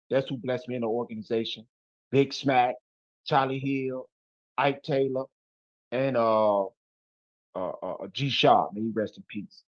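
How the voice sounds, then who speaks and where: A man from Chicago, USA, appears as an interview guest, speaking bluntly and emphatically in street slang with a Chicago accent. His medium-pitched voice is recorded without echo but with the highs cut off, in casual interview talk.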